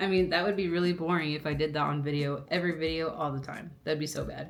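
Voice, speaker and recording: Talking at a very fast pace, a woman with a fairly low voice uses ordinary pitch variation amid noticeable background noise and audible room echo. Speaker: vlogger. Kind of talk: casual chat.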